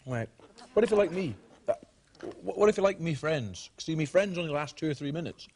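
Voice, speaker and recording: A man's voice: fairly high pitch, animated, a little fast, a little mellow. A man in a comedy sketch, teasing and incredulous. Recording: noisy.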